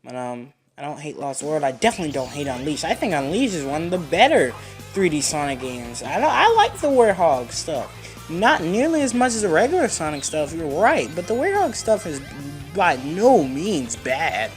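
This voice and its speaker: A man's voice: on the high side, huge pitch swings, moderate pace. A fourteen-year-old boy giving casual, rambling and opinionated commentary as he plays a video game. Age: 14, teenager. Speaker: gamer narrating a playthrough. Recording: game music behind the voice. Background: video game music.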